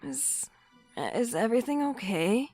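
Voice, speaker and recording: A woman's voice: on the high side, expressive, darkish tone, dry recording, soft background music. A woman playing a shy, anxious young woman with a hesitant manner in a naturalistic audio drama. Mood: sleepy, concerned. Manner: hesitant, halting.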